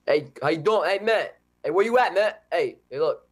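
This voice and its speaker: Man putting on pushy new york harbor waves, tough guy street talk, slightly high voice. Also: expressive, normal speed. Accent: put-on New York.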